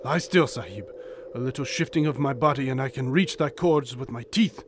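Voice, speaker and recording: An actor playing a devout, superstitious and loyal Muslim desert companion in a radio drama, with archaic, emphatic speech. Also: male voice, medium pitch, a little fast, background noise, close to an everyday voice. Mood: urgent.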